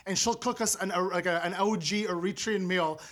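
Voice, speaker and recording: A man co-hosting a podcast, telling self-deprecating stories in a casual chat with lively impressions. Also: sits high, normal speed. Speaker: podcast co-host.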